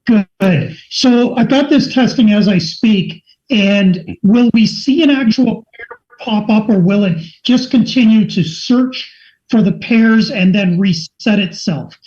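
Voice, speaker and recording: A woman on a video call who speaks in an earnest, polite and deliberate way. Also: medium pitch, a little mellow. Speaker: call participant. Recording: muffled online call audio.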